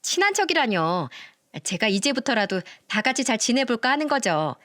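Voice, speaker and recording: Shrill, rude young woman, demanding and loud, put on by a woman narrator. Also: sing-song, moderate pace. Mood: fake friendly. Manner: shouting and swearing. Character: rude, greedy young woman, shrieking in anger.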